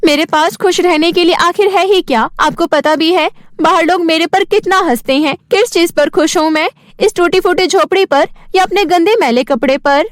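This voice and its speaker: A woman voicing a stubborn, sulky poor schoolgirl in a children's cartoon, whiny, demanding and quick to talk back. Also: extremely high pitch, no echo, voice pushed up. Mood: upset. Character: stubborn, sulky poor schoolgirl who craves pretty clothes.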